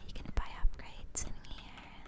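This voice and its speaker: A woman hosting a gaming ASMR video in a soft, breathy whisper, speaking gently and a little hesitantly, close to the microphone. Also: normal speed. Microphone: close condenser microphones.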